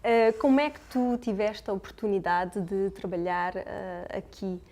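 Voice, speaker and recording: A woman's voice: medium pitch, fairly even intonation, measured pace, darkish tone. A woman hosting an interview, encouraging her guest and finishing her sentences. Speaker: interviewer, show host. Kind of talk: casual interview.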